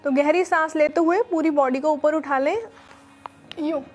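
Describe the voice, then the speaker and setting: A young woman with a high voice leads a yoga lesson in a studio. She gives calm, step-by-step instructions and often pauses on fillers. Faint music plays behind her lapel-mic sound. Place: studio with red floor and dark curtains.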